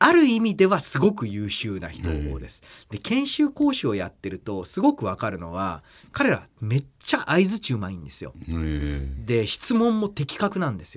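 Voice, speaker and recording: The recording is very clean, with a silent background. The speech moves at a moderate pace, with big swings in loudness. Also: man. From Tokyo, Japan. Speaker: economist. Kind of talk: radio interview. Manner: soft-spoken.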